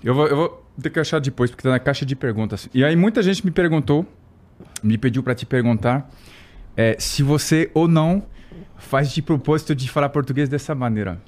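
A man's voice: mid-range voice, lively intonation, brisk, a little mellow. A man hosting a casual interview with joking, teasing banter. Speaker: interviewer, stand-up comedian.

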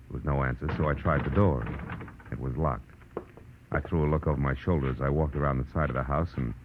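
An actor playing a wry, hard-boiled private detective with an American accent in 1940s radio drama, speaking in a clipped, sardonic, world-weary way. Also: male voice, a bass voice. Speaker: lead actor and narrator of a radio detective series. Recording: muffled vintage 1940s radio recording.

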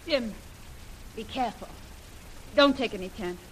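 An actress playing a feisty, impatient adventuress with sharp retorts in an old radio serial. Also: female voice, on the high side, measured pace, a little hiss or hum, rough recording.

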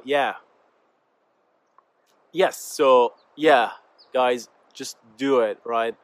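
Man, native Arabic speaker, mid-pitched voice, loose motivational vlog talk, rambles and keeps calling out to "guys". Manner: rambling, earnest, often addresses listeners as "guys". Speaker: YouTuber and podcast host. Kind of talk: casual motivational monologue.

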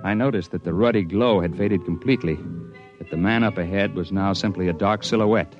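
An actor playing a mountain climber who narrates the story and trades wry jokes, in a radio drama. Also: male voice, deep voice, a little fast, dull audio, faint music behind, close to an everyday voice. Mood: telling. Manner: wry, joking.

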